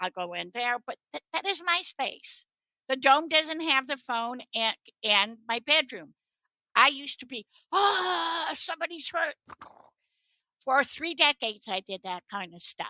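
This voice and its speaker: In a high, bright, sharp voice, a woman projects at a fairly slow pace with long, frequent pauses, very wide pitch swings, big swings in loudness, and a dry, close sound with no echo. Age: 80s+. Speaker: spiritual teacher and healer. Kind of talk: casual chat.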